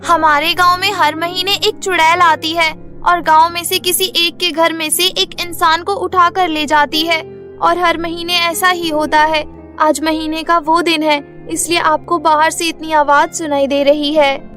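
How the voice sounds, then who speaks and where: Woman doing a caring young village girl, super high cartoon voice, faint music. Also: flat delivery, unhurried, pushed and bright, full character voice. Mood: grave explaining. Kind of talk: cartoon story dialogue.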